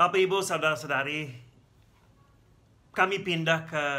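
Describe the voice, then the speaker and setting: A man speaks with an English accent and fairly even intonation. Audible room echo surrounds his voice. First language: English (speaking Indonesian). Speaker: pastor. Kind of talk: sermon. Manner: halting.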